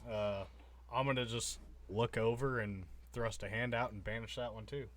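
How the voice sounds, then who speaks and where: A man's voice: mid-range voice, steady tone, normal speed. A man chatting casually as a player in a tabletop role-playing game. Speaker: player in a tabletop RPG podcast.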